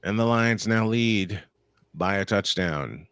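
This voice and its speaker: Smooth low-voiced male sports caller. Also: a bit bright, no room sound. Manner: measured play-by-play calling. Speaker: play-by-play commentator. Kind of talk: live sports commentary.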